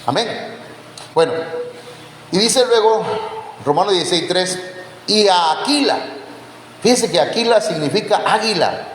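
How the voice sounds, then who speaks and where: Male preacher, slow unhurried delivery with a raised pitch, quizzes the flock, roomy hall reverb with a faint background hiss. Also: expressive, fairly bright tone. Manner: quizzes the congregation with questions; addresses listeners as brothers. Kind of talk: Bible teaching sermon. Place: church hall. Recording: echoey church hall, faint background noise.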